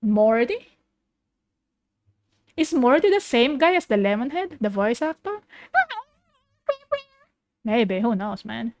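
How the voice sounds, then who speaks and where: High-pitched, animated woman reacting casually. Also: slow pace, long pauses, no room sound. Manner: exclamatory, informal swearing. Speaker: VTuber host.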